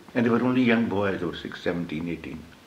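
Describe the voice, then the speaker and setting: A man's voice with audible room echo. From Punjab, Pakistan. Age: 80s+. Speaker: retired councillor and community figure. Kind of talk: oral history interview. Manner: halting, with many fillers.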